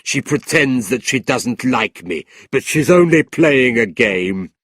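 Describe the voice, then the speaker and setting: A man doing a smug, leering gentleman. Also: mid-range voice, animated, slow pace, dry recording, studio quality. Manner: smug and boastful.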